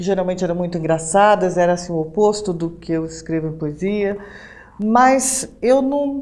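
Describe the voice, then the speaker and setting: At a moderate pace and with lively intonation, the speaker is heard amid audible room echo and noticeable background noise. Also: woman, medium pitch for a woman. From São Paulo, Brazil, Minas Gerais family. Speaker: poet, author. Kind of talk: interview. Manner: halting, repeats words.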